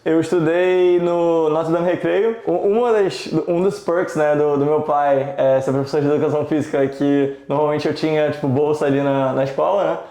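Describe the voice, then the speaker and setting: A man's voice: fairly high pitch, steady tone, moderate pace, hardly any pauses, warm tone. A man, a podcast guest telling stories in a casual, reflective way, with many fillers and restarts. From Rio de Janeiro, Brazil. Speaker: podcast guest, startup founder. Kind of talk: casual interview chat. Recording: echoey room.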